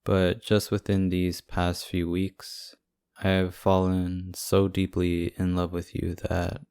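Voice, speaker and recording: A man's voice: low voice, darkish tone, smooth, dry recording, clean studio sound. A man playing a devoted, protective boyfriend in an ASMR audio roleplay, talking casually and conversationally.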